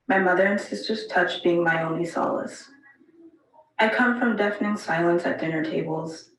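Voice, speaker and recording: A woman introducing and reading her own poem in a steady, deliberate delivery. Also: lowish voice. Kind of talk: recited poetry. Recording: roomy, distant mic.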